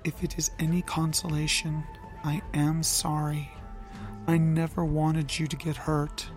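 A woman voicing Loki, a calm, fatherly male trickster god who speaks softly and formally. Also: lowish voice, moderate pace, gravelly, faint music behind. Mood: gentle, apologetic. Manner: soft, composed, formal.

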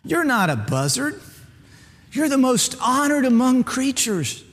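A man's voice: extremely high pitch, big pitch swings, measured pace, fairly bright tone, voice pushed up, exaggerated voice. A man voicing a wise old male owl who speaks bluntly and emphatically. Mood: emphatic. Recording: long hall reverb.

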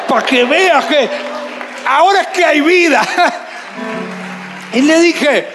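A man in his forties preaching a sermon with animated delivery that rises to shouts, recorded in a church hall. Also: very high voice. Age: 40s. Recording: long hall reverb with faint music.

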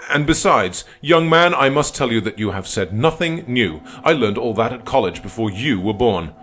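A man's voice: mid-range voice, lively intonation, normal speed, fairly bright tone, voice pushed up, close to an everyday voice. A man voicing a pompous older male lawyer who rants with scornful indignation. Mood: outraged. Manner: indignant, ranting oratory. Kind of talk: audiobook character reading.

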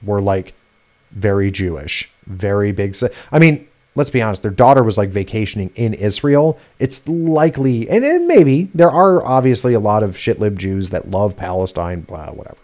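A man's voice: medium pitch, lively intonation, moderate pace, few pauses, a little mellow. A man hosting a political talk show in a casual, sarcastic way, swearing freely and mocking his targets. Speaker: podcast host.

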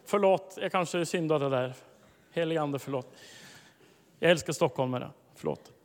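Preacher, male, high voice, storytelling sermon, long hall reverb. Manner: storytelling with bursts of loud, high emphasis. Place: large hall, preaching to a congregation.

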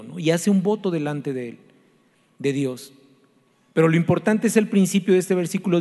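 A man preaching a sermon as a pastor, earnest and pleading, repeating questions to his listeners. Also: high-pitched. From Mexico. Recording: long reverb with soft music behind.

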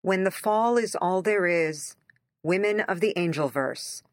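A woman's voice: fairly low pitch, measured pace. A woman reading a scripted opinion essay in a conversational, wry way with emphatic phrasing. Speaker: essayist reading their own article aloud.

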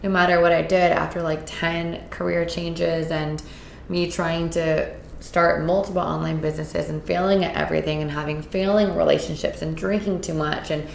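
Woman host, hoarse from a cold, gravelly low voice, earnest and upbeat, roomy echo. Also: fairly even intonation, moderate pace, slight background noise. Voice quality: raspy. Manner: upbeat, earnest, with filler words. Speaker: podcast host. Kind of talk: casual solo podcast talk. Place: indoors in Costa Rica.

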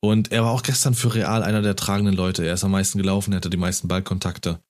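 A man with a very low, deep voice chats casually about football. He retells the game with enthusiasm and grows animated at the highlights. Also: fast. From Germany.

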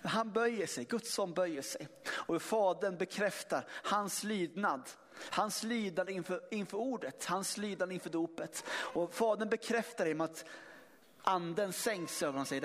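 Male preacher with a high voice giving an emphatic sermon in a church hall with long reverb. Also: a bit bright. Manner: emphatic, with many restarts and sudden swells in volume.

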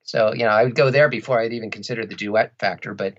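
Low-pitched man, measured and careful. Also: highs cut off. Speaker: audiobook narrator, podcast guest. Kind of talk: thoughtful interview conversation.

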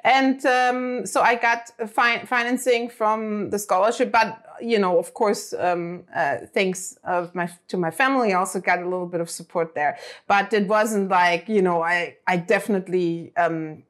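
A woman's voice: medium pitch, normal speed, fairly bright tone. A middle-aged woman whose first language is German, telling stories in a casual, chatty way, full of fillers and restarts. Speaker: interview guest. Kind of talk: casual storytelling.

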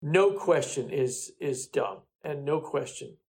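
A man's voice: fairly high pitch, animated, slow pace, darkish tone. A man co-hosting a podcast, asking questions in an easygoing, casual way. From Australia. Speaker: podcast co-host. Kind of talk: casual chat.

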